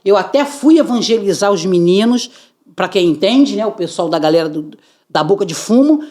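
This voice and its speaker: A middle-aged woman from Brazil, a podcast guest telling her testimony with lively acted-out voices and frequent laughter. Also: mid-range voice, normal speed. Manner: lively, acts out quoted voices, laughs often. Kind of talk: animated testimony storytelling.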